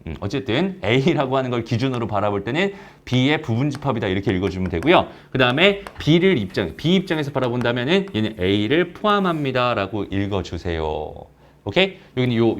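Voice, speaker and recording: A male math teacher giving a recorded lecture. His pitch rises and falls a lot as he talks. He keeps asking the class quick questions and then answers them himself. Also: big pitch swings.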